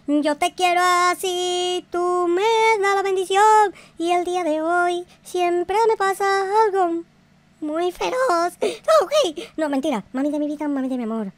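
A man's voice: very high-pitched, measured pace, no room sound. A man voicing a childish, cheeky noob son in a rambling Minecraft roleplay, repeating himself and exclaiming. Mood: pleading. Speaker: YouTube gamer playing a character.

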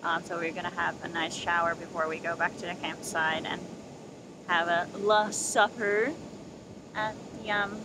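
A woman vlogging casually to a handheld camera at a beach campsite, talking in a relaxed, chatty way full of fillers and restarts. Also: on the low side, normal speed. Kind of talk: casual vlog chat to camera. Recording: outdoor noise in background.

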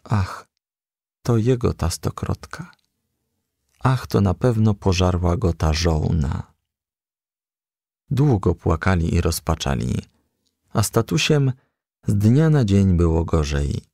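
A man's voice: sits low, lively intonation, slow, gravelly, pauses often, dark tone, dry recording, studio quality. A man reading a children's storybook aloud as a scripted narration. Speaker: audiobook reader.

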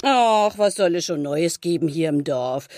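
An actress playing a chatty, ageing village shopkeeper in a radio play, homely, teasing and confiding. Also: female voice, low-pitched, animated, unhurried, a little mellow, no echo, studio quality. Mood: gossipy, confiding. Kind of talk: German radio play acting.

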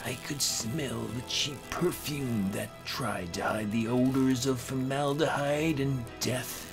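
A man's voice: medium pitch, takes it slowly, over music. A man giving a brooding, theatrical first-person narration of a horror comic story. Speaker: narrator and amateur voice actor.

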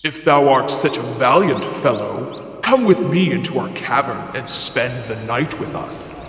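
A man's voice: mid-range voice, animated, unhurried, a bit bright. A man playing a huge, proud, blustering giant in a storybook audio drama. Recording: echoey cavernous reverb, some noise.

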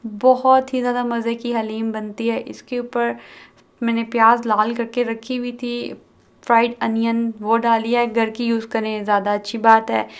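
Calm woman narrating a home recipe. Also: a little high, normal speed, smooth. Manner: calm step-by-step instruction, mixing in English words. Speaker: cooking channel host.

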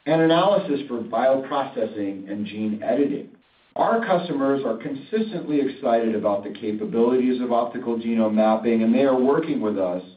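A man working as a company executive, reading a scripted earnings presentation in a formal, measured way. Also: medium pitch. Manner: formal, measured read-out delivery. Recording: roomy, distant, tinny phone-line sound.

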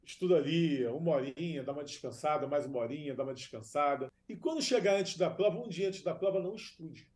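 A Brazilian man gives informal expert advice in a fairly high but soft-edged, mellow voice. It sounds like a webcam recording in a small room. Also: quick pace, hardly any pauses. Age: 30s or 40s. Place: small room at home or office.

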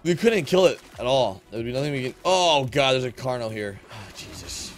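A young gameplay streamer with a medium-pitched, brisk voice plays a multiplayer survival game, joking, getting excited, calling out to teammates, and chanting repeated phrases in casual game chat. Faint music sits in the background.

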